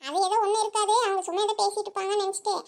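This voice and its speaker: A woman plays a nosy village neighbor in a cartoon who rattles off gossip in a very high, squeaky voice. She talks at a quick clip, pushing her story with little chuckling asides. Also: level tone. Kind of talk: cartoon voice acting.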